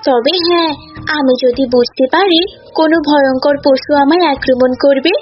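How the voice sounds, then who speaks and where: A woman's voice: sits high, normal speed, lo-fi sound, soft background music, close to an everyday voice. A woman voicing a clever, unafraid young cow in a cartoon folk tale, coaxing and politely reasoning. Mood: calm, bold. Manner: coaxing, reasoning, addresses listener as uncle.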